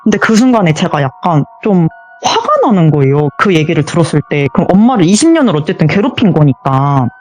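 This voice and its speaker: Lively woman telling a ghost story. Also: deep voice, brisk, few pauses, faint music behind. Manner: vivid storytelling, acts out quoted voices. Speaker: guest storyteller.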